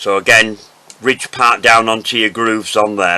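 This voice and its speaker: A man's fairly low voice with a Yorkshire accent. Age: 70s. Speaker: cake decorator. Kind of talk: tutorial. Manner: casual.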